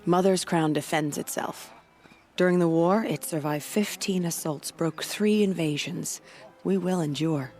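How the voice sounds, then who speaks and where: A woman playing a stoic, devout tribal warrior in a video game, speaking in a solemn, measured and formal way. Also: lowish voice, a little mellow, faint music behind. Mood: proud, resolute. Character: stoic, devout female tribal warrior commanding a village's defenses. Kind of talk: dramatic video game dialogue.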